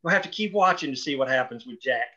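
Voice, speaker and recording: Man, show writer, bright tone, explanatory, discursive, dull lo-fi recording. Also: mid-range voice, expressive, quick pace.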